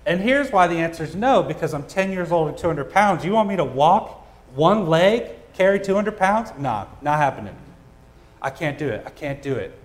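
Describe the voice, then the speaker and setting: A man preaching a sermon, telling a personal story in a casual, joking way with frequent "uh" fillers, at a church service. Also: a little high. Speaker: pastor.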